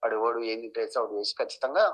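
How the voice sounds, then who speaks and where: A man's voice: mid-range voice, steady tone, racing, fairly bright tone. A man with a Telangana Telugu accent giving an interview account as a local activist, insistent and repeating his points.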